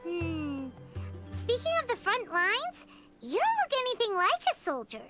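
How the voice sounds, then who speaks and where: Squeaky, chirpy little fairy companion. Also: female voice, a little slow, loud music behind the voice, exaggerated voice. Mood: skeptical. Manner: squeaky, expressive, refers to self by name. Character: tiny childlike female fairy companion, chirpy and blunt. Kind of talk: cartoonish video game dialogue.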